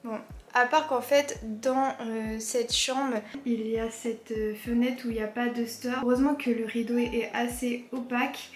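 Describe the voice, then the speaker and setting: A woman's voice: a little high, steady tone, unhurried. Chatty woman with a stuffy nose. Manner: chatty, rambling, with many fillers and restarts. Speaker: vlogger. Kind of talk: casual vlog chat to camera. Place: indoors in a holiday rental, later outdoors by a bay. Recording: roomy echo with faint background music.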